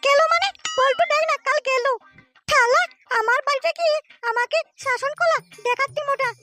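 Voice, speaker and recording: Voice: very high-pitched, fairly quick, sharp tone. A performer voicing a cheeky, foul-mouthed boy prankster in a Bengali comedy cartoon, brash, boastful and taunting. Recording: music behind the voice.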